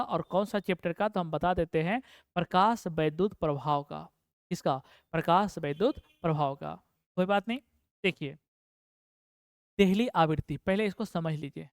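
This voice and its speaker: A man teaches physics for a board exam. He keeps throwing questions at his students and answering them himself, and slows down to repeat terms for notes. His voice is smooth and clear, recorded dry and close. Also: sits high, no room sound. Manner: asks the class a question, then answers it himself; repeats key terms slowly for dictation. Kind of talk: exam-prep physics lesson.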